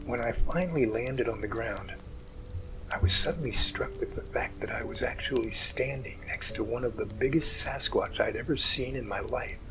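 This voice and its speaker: A man playing an emotional rescuer in an amateur audio drama, recounting events in an earnest, halting, dramatic way. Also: mid-range voice, lightly acted, rough recording. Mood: earnest, awed. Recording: music bed under the voice.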